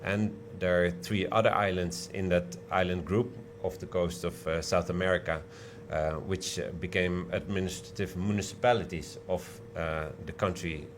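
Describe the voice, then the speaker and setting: Very deep-voiced, halting Dutch man. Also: steady tone, background noise. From Netherlands. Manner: halting, frequent drawn-out hesitations. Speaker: diplomat, interview guest. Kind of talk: explanatory interview talk.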